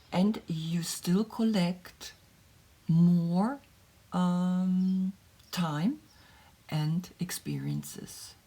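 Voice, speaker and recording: A tarot reader speaks slowly and softly, often dropping into a whisper. Her low voice is husky, with a gravelly fry. She thinks aloud as she goes. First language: German. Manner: slow, soft, drifting into whispers, thinking aloud. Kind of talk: meditative tarot reading, partly translated.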